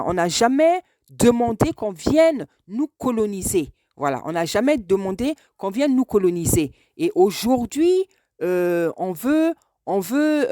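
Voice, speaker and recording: A woman's voice: medium pitch, warm tone, no room sound, clean studio sound. A woman from France giving an earnest, unscripted spoken address, hesitant and often repeating phrases for emphasis. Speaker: speaker addressing a video message to a politician.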